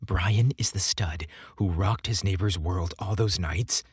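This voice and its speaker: A man's voice: low-pitched, measured pace, slightly rough, no room sound, studio quality, exaggerated voice. A man voicing a shy, polite young gay man with a crush in an audio story, casual and a little flustered. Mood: stunned. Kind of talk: audio story character dialogue.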